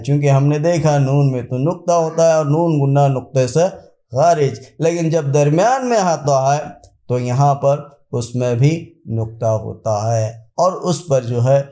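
A man teaching an Urdu spelling and pronunciation lesson, explaining slowly and repeating example words one by one. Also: fairly high pitch, warm tone, echoey room. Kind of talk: spoken grammar lesson.

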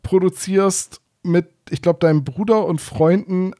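A man's voice: high-pitched, fairly even intonation, measured pace, dark tone, no room sound, clean studio sound. A man hosting a podcast interview in a casual, chatty way.

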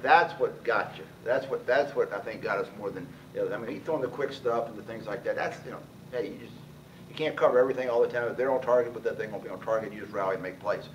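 A man in his sixties, a head football coach, answering at a post-game press conference, talking quickly with many restarts and repeated words. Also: lowish voice, muffled recording. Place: press room with sponsor backdrop. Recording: distant mic, noisy press room.

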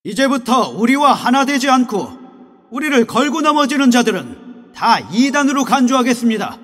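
A pompous, very high-pitched church leader declaiming in a reverberant hall, audio drama. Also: male voice, animated, moderate pace, fairly bright tone, soft background music, full character voice. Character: self-important male church council leader.

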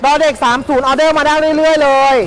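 A live-stream seller giving a fast, hyped sales pitch for second-hand clothing, chatty and persuasive, repeating phrases for emphasis. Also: level tone, a bit bright, soft background music, rough recording.

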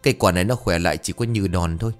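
A man's voice: deep voice, very fast, soft background music, close to an everyday voice. A man voicing a panicky, bumbling young husband who blusters when he is flustered, lifting his voice a little above his own in a told ghost story. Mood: sheepish.

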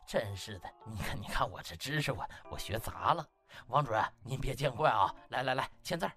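A man's voice: medium pitch, animated, fairly quick, bright, forceful tone, soft background music, voice pushed down. A man voicing a smug, brash young male doctor who gloats and chuckles with fake friendliness in a comic audiobook. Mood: gloating. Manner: gloating, chuckling, exaggerated exclamations. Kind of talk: comic audiobook character acting.

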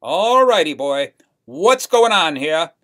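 A man doing a loud drawling small-town cop. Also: fairly high pitch, very animated, slow pace, exaggerated voice. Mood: bossy. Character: gruff shouting small-town male cop.

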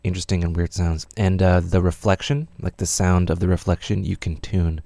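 Male music production tutor, offhand and unpolished, very low register with plenty of vocal fry. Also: fairly even intonation, fairly quick, dark tone, no room sound. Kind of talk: casual software tutorial narration.

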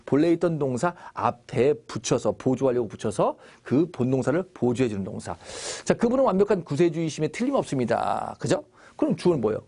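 A man's voice: on the high side, warm tone, breathy edge. A male English teacher giving a Bible-based grammar lesson, asking the class questions and answering them himself.

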